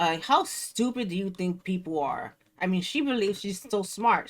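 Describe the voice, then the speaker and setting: A woman talks at a moderate pace. Her pitch is medium. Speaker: reaction commentator. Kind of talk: reaction commentary. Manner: loud; mumbling.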